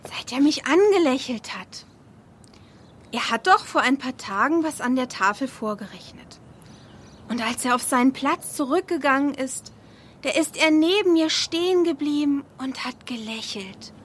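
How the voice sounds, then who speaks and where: High-voiced, moody teenage schoolgirl. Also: animated, normal speed, fairly bright tone, slight background noise. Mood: dreamy, smitten. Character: moody, touchy, lovestruck thirteen-year-old schoolgirl. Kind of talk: German children's audio drama acting.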